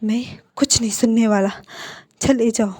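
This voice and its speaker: A woman voicing an angry, heartbroken young man who shouts bitterly and then pleads, in a storybook fan fiction reading. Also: on the high side, fairly even intonation, measured pace, breathy edge.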